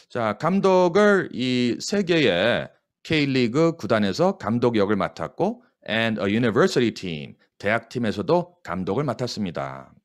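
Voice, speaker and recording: A Korean man teaching English by reading news sentences aloud, dwelling slowly on each phrase before explaining it briskly. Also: medium pitch. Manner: coaching, asks listeners to repeat after him.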